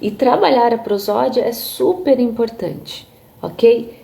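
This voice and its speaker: Woman explaining, mellow higher voice. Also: takes it slowly, gravelly. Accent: Brazilian Portuguese. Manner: explanatory, tags sentences with né and tá; demonstrates intonations with her voice. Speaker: music therapist teaching. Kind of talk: live online lecture. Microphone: phone livestream.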